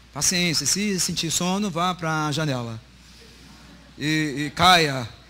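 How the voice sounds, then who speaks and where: Audible room echo surrounds a man with a fairly high pitch. His bright, sharp tone carries ordinary pitch variation. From Brazil, Rio de Janeiro. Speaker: pastor. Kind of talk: sermon.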